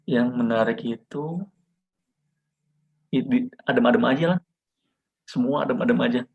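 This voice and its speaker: A man, a podcast guest, talking in a relaxed, reflective, slangy casual chat. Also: medium pitch, moderate pace, creaky, husky. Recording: dull lo-fi sound.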